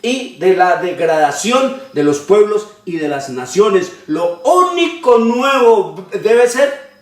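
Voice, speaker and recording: A man preaching a sermon in long repeated lists, often pausing with "eh". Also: sits high, big pitch swings. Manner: frequent hesitations with "eh". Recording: roomy, distant from the mic.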